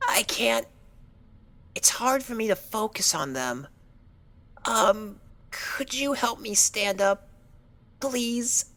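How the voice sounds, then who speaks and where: A woman's voice: a little high, expressive, slow, pauses often, a bit bright, heavily acted. A woman voicing a timid, injured young female pony in a dramatized story reading, hesitant and meek, with anxious pleading. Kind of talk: dramatized fan fiction reading.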